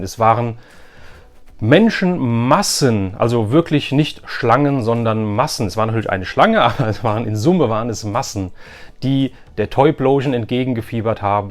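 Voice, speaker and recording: A man from Germany talking casually and enthusiastically to his viewers as a video blogger, in a chatty recap style. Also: mid-range voice. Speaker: YouTube vlogger and toy collector.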